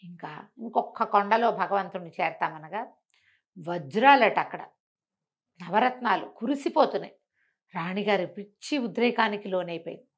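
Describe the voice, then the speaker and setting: A woman telling devotional stories conversationally, in an expressive, emphatic way that repeats phrases for effect. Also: medium pitch, moderate pace, dull audio. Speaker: storyteller and talk show guest.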